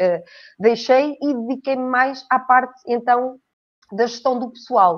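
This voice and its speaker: A woman's high voice moves along at a moderate pace. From Portugal, Ourém area. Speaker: HR-trained coach and trainer. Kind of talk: casual interview.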